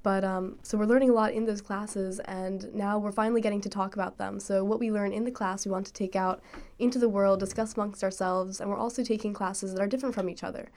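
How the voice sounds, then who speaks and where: A woman's voice: medium pitch, steady tone, fast, a little mellow. Young woman opening a student podcast. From Annapolis, Maryland. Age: young adult. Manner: friendly, thoughtful, with fillers. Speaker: podcast co-host. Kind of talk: casual student podcast chat.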